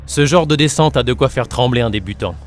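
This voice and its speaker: A professional voice actor reads scripted narration at a brisk pace in a mid-range voice, with music playing beneath him.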